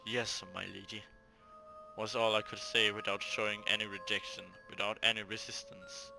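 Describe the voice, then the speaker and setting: A man with a fairly low voice narrates a visual novel as a let's play host. He mixes story reading with offhand casual remarks, and music plays clearly behind him. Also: level tone, brisk, low-quality recording.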